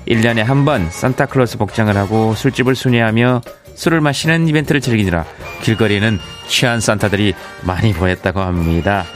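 A man's voice: on the low side, a little fast, hardly any pauses, music in the background. A man with a Daegu-Gyeongbuk accent hosting a radio show, casually chatting and reading out listener messages with easy laughs. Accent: Daegu-Gyeongbuk dialect. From Yeongcheon, South Korea. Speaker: radio host. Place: radio studio. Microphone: studio microphone.

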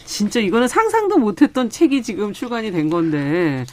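A woman's voice: mid-range voice, wildly swooping pitch, a little fast, a little mellow. A woman hosting a radio chat, reacting with short interjections. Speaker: radio host.

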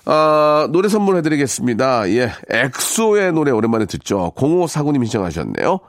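A man's voice: mid-range voice, sing-song, a little fast, no echo, clean studio sound. A man hosting a radio show, reading out listener messages and commenting on them in a polite, conversational, rambling way. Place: radio studio.

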